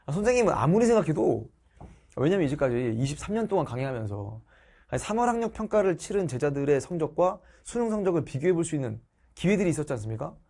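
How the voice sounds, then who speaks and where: Fast and sing-song, a slightly high male voice with a dark tone comes from a middle-aged online social studies teacher. He chats easily with his students, addressing viewers as such, while recovering from a cold.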